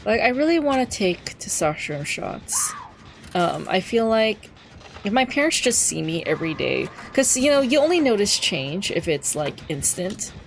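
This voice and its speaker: A man's voice: high-pitched, big pitch swings, normal speed, gravelly, slight background noise. A young trans man streaming a game from home, chatting casually with lots of fillers and wry asides. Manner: rambling, many fillers, wry. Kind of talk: casual gameplay chat.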